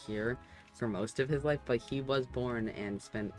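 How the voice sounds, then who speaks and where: A man's voice: medium pitch, measured pace. A man co-streaming a game, chatting casually in a teasing, playful way. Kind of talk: casual chat while gaming. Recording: faint music behind.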